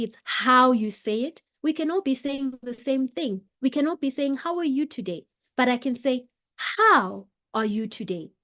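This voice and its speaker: A woman leads an online public speaking workshop in a fairly high voice. She talks expressively and motivationally. She speeds up, slows down and drops her volume to stress her points. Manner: expressive, varies volume and pace for emphasis.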